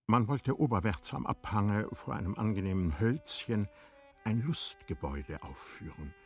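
A man narrating a literary radio play in a measured, formal storytelling manner. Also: lowish voice, animated, darkish tone, husky, faint music behind.

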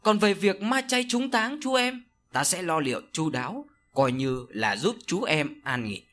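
A man voicing an older village sorcerer who speaks slowly and solemnly in an audio story. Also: on the high side, lively intonation, fairly bright tone. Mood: grave. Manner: slow, solemn, scolding. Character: older male village sorcerer, stern and grave.

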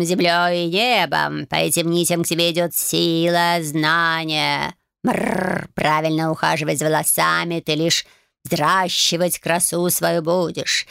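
A woman playing a grumpy old-world magic tomcat in a storybook, slow and drawn out, with a slightly altered, throaty tone. He lectures and scolds like a mentor, tossing in purrs and meows, and his voice sits a touch lower and has a gravelly edge. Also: a bit bright, no room sound, clean studio sound. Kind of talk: audiobook character voice.

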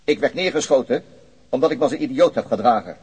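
An actor playing a middle-aged, weary police chief inspector in a radio drama, curt, dry and businesslike. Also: male voice, medium pitch, expressive, quick pace, darkish tone, breathy edge, big-room sound. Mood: irritated, frank.

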